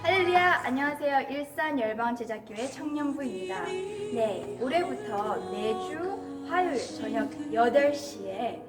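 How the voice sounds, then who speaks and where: A woman from a church youth group announcing an event over a PA system in a bright, inviting tone. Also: high voice, expressive, a little slow. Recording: echoey hall with loud music.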